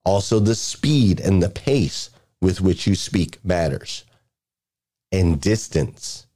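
Energetic middle-aged man giving motivational talk. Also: low voice, slow. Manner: energetic, lively storytelling with emphatic repetition. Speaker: podcast guest speaker, leadership coach.

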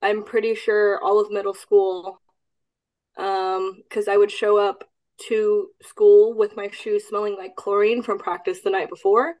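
A young woman from Texas who grew up speaking Cantonese talks about her past. She answers steadily, pausing and correcting details as she recalls them, at a middle pitch. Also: little pitch movement, a little mellow, poor audio. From Austin, Texas. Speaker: guest. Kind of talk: casual podcast interview.

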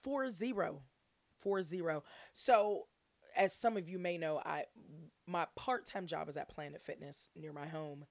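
Playful woman podcaster, lower-pitched and close. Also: normal speed, vocal fry, dry recording. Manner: exuberant, playful, chummy direct address to listeners. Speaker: podcast host. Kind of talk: casual solo podcast chat.

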